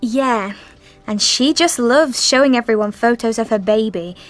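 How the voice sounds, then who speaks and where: High-voiced woman in a scripted dialogue. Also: a little slow, soft background music. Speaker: dialogue actor in course audio. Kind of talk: scripted role-play dialogue.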